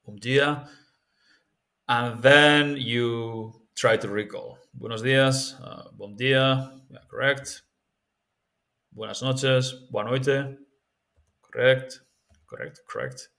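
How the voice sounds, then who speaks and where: A man with a Spanish accent walks through a language tip in an easygoing, off-the-cuff way. He often pauses on fillers and checks in with "yeah?" and "right?". His voice sits at a middle pitch for a man. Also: vocal fry. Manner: relaxed and thinking aloud, with frequent fillers and tag questions. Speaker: language-learning video host. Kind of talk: casual spoken tutorial.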